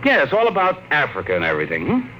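A man's voice: on the high side, huge pitch swings, fast talker, bright, forceful tone, exaggerated voice. An actor playing a soothing, dismissive husband and father in a 1950s radio drama, with a placating, patronizing manner. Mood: probing. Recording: faintly noisy old radio recording.

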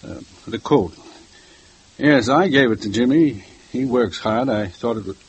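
A fussy old jeweler. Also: male voice, mid-range voice, measured pace, husky, highs cut off. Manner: fussy, flustered, polite. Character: fussy elderly male jeweler, polite. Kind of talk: 1950s radio drama acting. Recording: old radio recording with faint hiss.

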